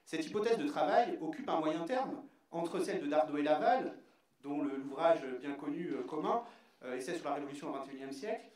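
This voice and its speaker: A man on a panel reading out an academic talk in a measured way, with a few fillers. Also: on the high side, lively intonation, darkish tone. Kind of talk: read academic presentation. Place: large hall on a stage. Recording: very echoey hall from far off.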